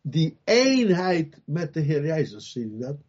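A man delivers a sermon in a high voice at an unhurried pace. He stresses his points by repeating them and turns often to his listeners with direct questions. The recording sounds a little dull and lo-fi. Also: big pitch swings. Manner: emphatic, repeats key phrases, acts out Bible scenes with loud cries. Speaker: preacher.

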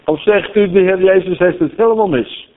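An older man preaching a sermon in a high voice. He keeps asking his listeners questions and repeats words as he builds up to them. The sound is thin and phone-like. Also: normal speed. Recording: tinny phone-like recording.

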